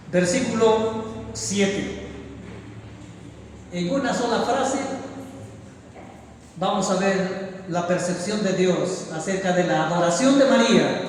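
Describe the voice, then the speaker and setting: A high-pitched man preaches to his congregation, exhorting them and throwing out rhetorical questions. His voice rings through a long-reverb church hall, picked up from a distance with a faint hiss behind it. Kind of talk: evangelical sermon. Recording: echoey church hall, voice from far off.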